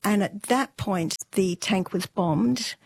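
A middle-aged woman, a guest in a relaxed storytelling interview, speaks unhurriedly, pausing on fillers and laughing softly at times. Her ordinary-pitched voice is creaky and husky, recorded close to the mic in a dry room without echo.

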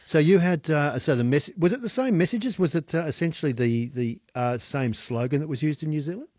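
A man's voice: on the high side, animated, a little fast, darkish tone, no room sound, studio quality. An Australian man in his sixties hosting evening talkback radio, chatty and enthusiastic with playful wordplay. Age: 60s. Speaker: radio host.

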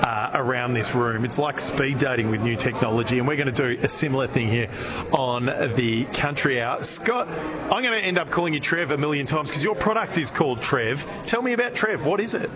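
Radio guy doing a chatty interview, crowd noise going on behind. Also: mid-range voice. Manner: friendly, conversational questioning. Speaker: radio reporter. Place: busy trade show room.

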